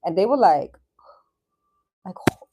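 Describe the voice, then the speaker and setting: During a live chat and tarot reading, a woman in her thirties talks in a chatty, slangy, casual way, letting some swearing slip. She speaks slowly in a sing-song voice of fairly low pitch, with background noise behind her.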